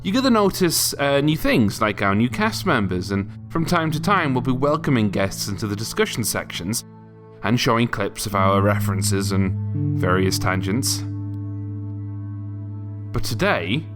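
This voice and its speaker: Animated man introducing an audio drama podcast. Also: mid-range voice. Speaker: podcast host. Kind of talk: scripted introduction. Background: guitar music.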